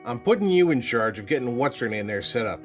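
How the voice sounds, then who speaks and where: An actor playing a brusque police boss who hands out orders curtly. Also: male voice, medium pitch, big pitch swings, fast, faint music behind, close to an everyday voice. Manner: gruff, dismissive, curt. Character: brusque middle-aged male police boss.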